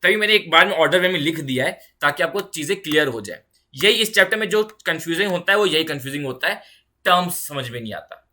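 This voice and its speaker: A woman physics teacher with a low-pitched, bright, forceful voice and lively intonation gives an online exam-prep lecture. She explains fast, mixing in English terms, repeats key phrases, and reassuringly checks in often with "ठीक है".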